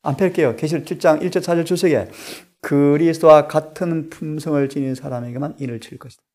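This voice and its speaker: A man preaching a sermon, emphatic and full of rhetorical questions to the congregation, swinging between loud stressed lines and hushed asides. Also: a little high, fairly even intonation, a little fast. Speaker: pastor and Bible study director.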